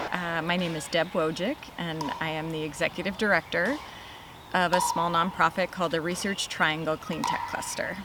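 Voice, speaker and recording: Noticeable background noise sits behind a woman's voice. She has a fairly low pitch and fairly even intonation. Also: moderate pace. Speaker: nonprofit executive director. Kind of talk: documentary interview.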